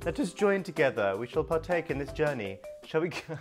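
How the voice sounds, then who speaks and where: A man with a British accent talks at a very fast pace in an upbeat tone with lively intonation, faint music playing in the background. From England. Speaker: vlogger. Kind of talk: casual talk to camera. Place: home room. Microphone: lapel.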